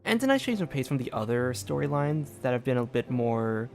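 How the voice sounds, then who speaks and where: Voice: medium pitch, very animated, a little fast, faint music behind. A streamer giving casual, musing commentary on a game, thinking aloud a little hesitantly.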